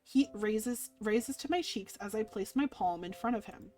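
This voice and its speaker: A woman's voice: mid-range voice, moderate pace, dark tone. A woman streaming a game, reading the story aloud expressively with playful casual commentary over music. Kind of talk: dramatic read-aloud of visual novel with casual commentary. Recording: music playing underneath.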